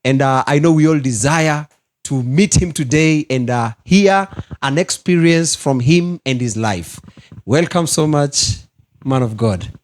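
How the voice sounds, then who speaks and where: A man hosting a studio talk show, greeting his guest with animated, drawn-out emphasis. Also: a little high.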